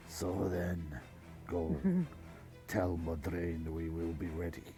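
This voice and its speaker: Against clear music in the background, a raspy put-on character voice speaks at a very slow pace. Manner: sinister, servile.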